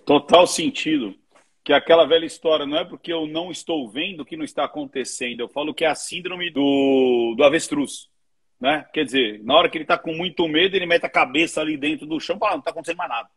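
A man with a Brazilian Portuguese accent hosts a relaxed conversation. His voice is slightly husky and sits a little high, and he talks in a quick, chatty way full of small fillers. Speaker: interview host. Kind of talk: casual interview over a live video call.

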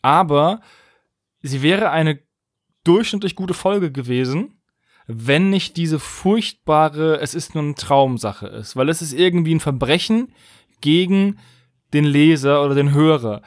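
Higher-voiced man, dry close sound. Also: animated, measured pace, no echo. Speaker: podcast host. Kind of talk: casual review chat about audio dramas.

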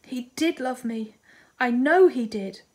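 A woman's voice: on the high side, slow, a little mellow, pitched above the performer's own voice. Woman doing a heartbroken, pleading young lady. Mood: grief-stricken. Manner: tearful, pleading, dramatic. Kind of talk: audiobook character reading.

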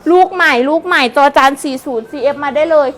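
High-pitched woman, hyped live seller. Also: fast. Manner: excitable, gushing, repeats prices and order codes; chatty, addresses viewers with polite endearments. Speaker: live-stream seller of wholesale second-hand clothing. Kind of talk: fast hype live-sale pitch to customers.

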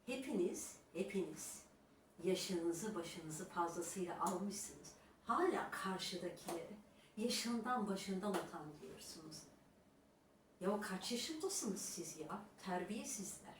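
A woman's voice: on the low side, animated, takes it slowly. Woman vlogger berating critics, scornful lecturer's tone, recorded a bit far from the mic in an echoey room with faint hiss. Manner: scornful, lecturing, with repeated rhetorical "Ha?". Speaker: YouTuber addressing her critics. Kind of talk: scolding monologue to viewers.

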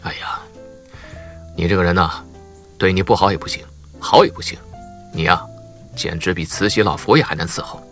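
A man voicing a bossy, gruffly caring police captain who nags bluntly in an audiobook. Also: low-pitched, normal speed, pauses often, a bit bright, faint music behind, voice pushed down. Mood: exasperated concern. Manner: nagging, blunt, exasperated.

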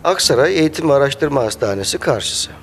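A man's voice: mid-range voice, expressive, quick pace, vocal fry, a little hiss or hum. A man in his thirties who owns a cafe, answering interview questions hesitantly with many filler sounds, speaking into a handheld mic held by the interviewer in a small cafe. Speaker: cafe owner. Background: faint music.

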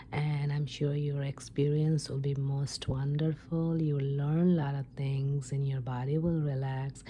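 Obliging wellness receptionist, played by a woman, ASMR role play: unhurried whisper, very soft dark tone. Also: very deep voice, a little hiss or hum. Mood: reassuring. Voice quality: breathy whisper. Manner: halting, unhurried explaining.

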